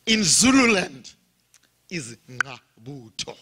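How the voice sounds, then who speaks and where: A man from Zimbabwe preaching a sermon in a slow, emphatic style, his voice rising and dropping for effect. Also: on the high side, big pitch swings, pushed and bright.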